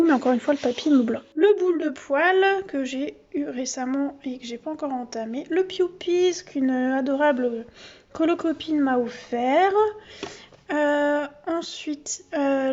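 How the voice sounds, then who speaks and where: A woman with a high voice chats through a casual show-and-tell vlog from her home office. She talks easily, stumbles, corrects herself and fills gaps with little hesitations. The sound is a bit dull and lo-fi. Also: darkish tone. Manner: chatty, with many fillers and self-corrections. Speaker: craft vlogger. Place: home office under yellow artificial light.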